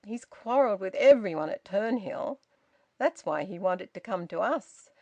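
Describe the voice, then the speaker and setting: A woman voicing a burly, bustling man who talks in a sharp, loud, authoritative way. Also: medium pitch, lively intonation, moderate pace, dry recording. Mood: brisk.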